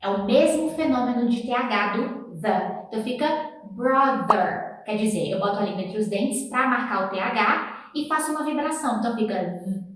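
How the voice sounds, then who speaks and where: A woman teaching English pronunciation, explaining and then slowly repeating words for the viewer to copy. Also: on the high side, lively intonation. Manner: encouraging, talks straight to the viewer. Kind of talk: pronunciation lesson with drills. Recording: echoey room, voice from a distance.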